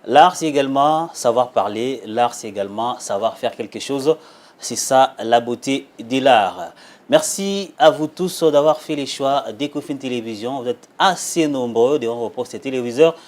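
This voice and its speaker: A man's voice: medium pitch, normal speed, a little mellow. A man hosting a television magazine interview, giving emphatic, flowery introductions and asking questions. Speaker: talk show host.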